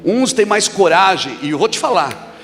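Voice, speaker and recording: A man preaching at a church conference, telling a story and then shouting emphatic declarations to the congregation. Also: high voice, big pitch swings, normal speed. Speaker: pastor. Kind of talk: sermon with storytelling. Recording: long reverb of a large hall with music.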